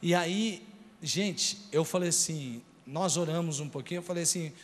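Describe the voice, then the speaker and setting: A man's voice: a little high, normal speed, long reverb tail, slight background noise. A man with a Brazilian Portuguese accent preaching a sermon, telling a personal story earnestly and speaking straight to the congregation. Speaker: pastor.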